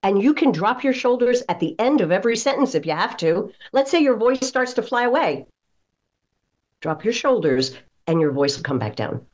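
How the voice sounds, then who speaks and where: A woman speaking as a guest voice coach, giving conversational advice in an emphatic, expressive and encouraging manner. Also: mid-range voice, moderate pace, lo-fi sound.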